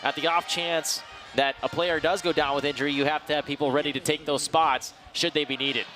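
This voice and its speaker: A man's voice: fairly high pitch, fairly even intonation, fairly quick. A man giving live analysis as co-commentator on a soccer broadcast.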